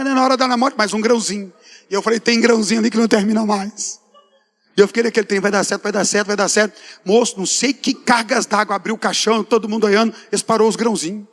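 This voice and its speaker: Male pastor, high voice, animated storytelling sermon, echoing hall. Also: quick pace. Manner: animated storyteller, acts out dialogue with God, folksy asides.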